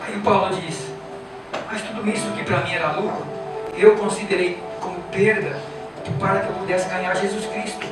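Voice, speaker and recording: A man with a Brazilian Portuguese accent preaches in an emphatic, repetitive way, firing rhetorical questions at his congregation. His voice is heard from a distance with heavy echo, and music plays clearly behind him. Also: sits high, level tone, normal speed. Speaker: pastor. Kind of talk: sermon. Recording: echoey church from afar with music.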